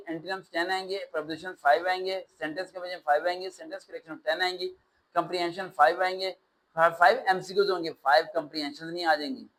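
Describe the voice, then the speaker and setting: A man teaching a test-prep class, lecturing in an animated way with sarcastic, ranting asides. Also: on the high side, low-quality recording.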